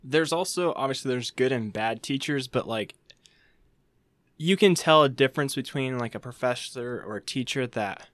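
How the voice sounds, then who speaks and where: A man's voice: medium pitch, normal speed, a bit bright, no room sound. A man co-hosting a podcast, talking casually and restarting his sentences as he goes. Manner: chatty, restarts sentences, trails off. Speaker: podcast co-host.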